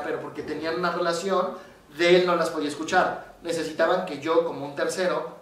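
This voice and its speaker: A psychologist with a Mexican accent explains things in casual talk, a lively storyteller who acts out the voices of the people in his stories. His voice sits on the high side and comes from far off the mic in a very echoey room.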